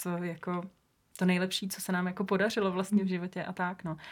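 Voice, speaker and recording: A woman speaks at a medium pitch and a moderate pace, her intonation monotone and flat. The recording is very clean, with a silent background. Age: 40s. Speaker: parenting project author, mother. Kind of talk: interview. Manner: hesitant, filler-heavy.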